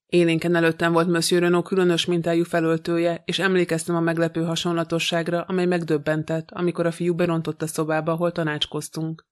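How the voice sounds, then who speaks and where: A man reading a novel aloud in the first person, in an even, measured way. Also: on the high side. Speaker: audiobook reader.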